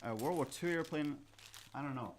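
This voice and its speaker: A man's voice: moderate pace, slight background noise. A man with a Scottish accent chatting casually as a museum livestream host while building a model kit, rambling with many fillers and restarts. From Scotland. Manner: animated, with sudden rises in pitch and loudness when excited.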